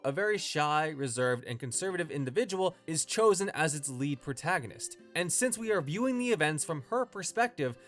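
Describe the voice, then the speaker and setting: A man's voice: fairly high pitch, a bit bright. A man hosting a video essay, delivering scripted opinion narration.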